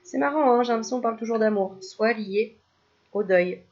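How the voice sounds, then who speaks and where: Une femme qui tire des cartes de spiritualité, bavarde et joueuse, qui rit souvent et lance parfois des chants pour rire. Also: female voice, on the high side, moderate pace, a little mellow, muffled recording. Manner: chatty, playful, laughs often, bursts into mock singing. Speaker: spiritual card reader. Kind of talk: casual card-reading video.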